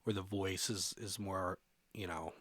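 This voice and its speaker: A man's voice: deep voice, fairly even intonation, measured pace, fairly bright tone, no room sound. A man presenting a music production tutorial in an informal, conversational way, explaining things step by step.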